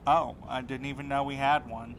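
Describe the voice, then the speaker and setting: A man's voice: medium pitch, flat delivery, moderate pace, a bit bright, a little hiss or hum, close to an everyday voice. A man playing a weary, guarded, grieving mail carrier in an audio drama. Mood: reluctant, tired. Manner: reluctant, guarded, terse. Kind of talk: naturalistic audio drama dialogue.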